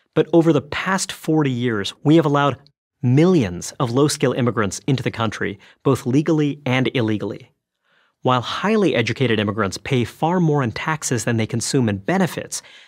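Over a quiet background, a man with a New York accent talks fairly quickly at a medium pitch with lively intonation. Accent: New York American English. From New York City. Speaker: policy commentator. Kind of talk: scripted narration. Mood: earnest, persuasive. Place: studio. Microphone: lapel.

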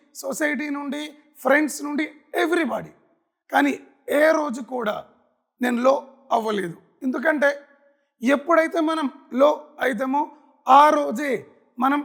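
With ordinary pitch variation, a man talks at an extremely high pitch. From Nellore district, Andhra Pradesh. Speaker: exam coaching trainer. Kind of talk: motivational talk.

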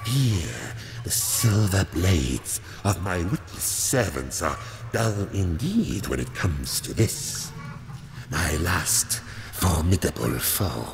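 Over loud background noise, a man speaks at a fairly slow pace in a very deep, low pitch. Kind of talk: audio drama acting. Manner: grandiose, megalomaniac.

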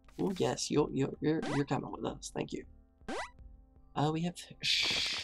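Soft-spoken and at a fairly slow pace, a man talks with long, frequent pauses over clear background music, the sound dry with no echo. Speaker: gaming youtuber; gaming video creator. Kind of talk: gameplay commentary; casual gameplay commentary. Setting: home recording room at night. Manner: casual. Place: home room. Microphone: studio mic.

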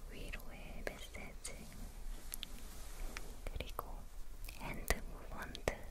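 A woman whispers at a very slow pace. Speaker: ASMR creator. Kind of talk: soft-spoken ASMR intro chat. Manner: soft, hushed ASMR speaking voice. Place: home room.

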